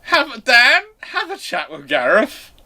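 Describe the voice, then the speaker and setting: Bright-voiced man hosting a chat. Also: very high-pitched, wildly swooping pitch, slow pace. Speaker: host of a live naval history Q&A. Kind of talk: casual livestream panel chat.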